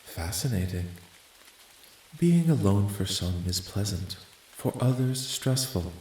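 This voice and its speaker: A man voicing a calm, curious, clinical alien researcher in a soft-spoken ASMR roleplay, with measured, formal, detached questioning. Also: lowish voice. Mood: detached curiosity. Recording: roomy echo, light background noise.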